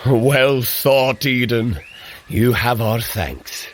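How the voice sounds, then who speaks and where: An actor playing a hearty, earnest, protective warrior god in a scripted audio drama, with a husky voice and formal archaic diction. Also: male voice, expressive, drawn-out words. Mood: appreciative. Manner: formal archaic diction, booming when rallying.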